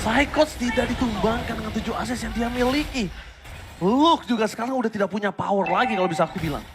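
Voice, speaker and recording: A man with an Indonesian accent doing dramatic esports play-by-play commentary, rising into shouts and mixing in English phrases. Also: high voice, fast talker, noisy background. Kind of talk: esports caster commentary of a mobile game match.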